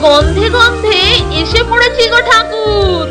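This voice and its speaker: A woman's voice: extremely high pitch, unhurried, over music. A woman voicing a mischievous, food-loving young schoolboy in a cartoon, with an exaggerated, childlike delivery. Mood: eager. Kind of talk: cartoon voice acting.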